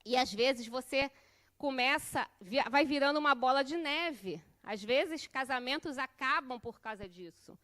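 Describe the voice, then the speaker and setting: A middle-aged woman gives a lesson in a chatty, conversational way. Her voice sits high, and she keeps checking in with her listeners by ending her sentences with a questioning "né". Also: measured pace, fairly bright tone. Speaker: course instructor. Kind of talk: conversational lesson with personal anecdotes.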